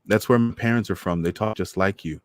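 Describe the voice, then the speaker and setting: A man's voice: on the low side, a little fast, dry recording, clean studio sound, lightly acted. A man voicing a polite, somewhat guarded young woman in a storybook reading.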